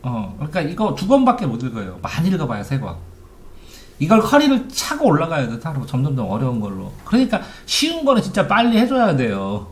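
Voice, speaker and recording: Lively man lecturing in an echoey room. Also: fairly high pitch, brisk. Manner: lively, rhetorical questions to listeners. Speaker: study coach. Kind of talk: informal lecture on study methods.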